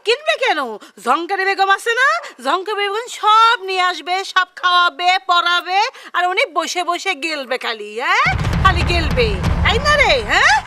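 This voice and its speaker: An actress playing a sharp-tongued, middle-aged village housewife and mother who scolds in a dialect, quick to anger. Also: very high voice, big pitch swings, noisy background. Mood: scolding. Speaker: mother and wife in a TV serial. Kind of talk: TV drama acting. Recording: background music under the dialogue. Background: music.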